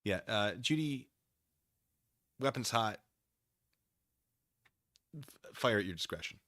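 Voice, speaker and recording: A man's voice: fairly low pitch, expressive, takes it slowly, fairly bright tone, dry recording, studio quality. A man hosting a livestream in casual chat, rambling wryly as he reads and answers viewers and acts out imagined exchanges.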